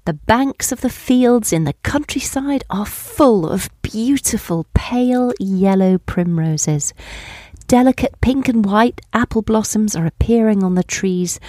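A woman's voice: medium pitch, mellow, no echo. A woman from the United Kingdom hosting a podcast in a studio, giving a scripted introduction with some whispered asides before interviewing her guest. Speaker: podcast host.

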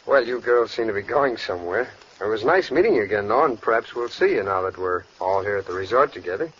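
Smooth, animated young gangster, muffled recording. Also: male voice, on the low side, fast talker. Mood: polite, charming. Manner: ingratiating, slangy, scheming. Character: smooth-talking young gangster posing as a polite gentleman. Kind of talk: vintage radio crime drama acting. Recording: muffled, noisy old radio recording.

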